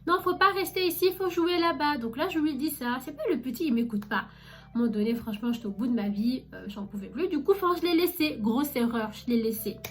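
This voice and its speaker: In a casual vlog, a young woman with a fairly high voice recounts her job as a shop saleswoman. Chatty and animated, she speaks directly to her viewers with many fillers, while soft music plays faintly in the background.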